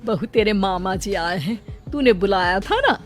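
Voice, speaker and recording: A woman's voice: mid-range voice, expressive, a little slow, soft background music, lightly acted. A woman voicing a worried elderly village mother-in-law in a cartoon, talking in a pleading, fretful way. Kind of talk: cartoon voice acting.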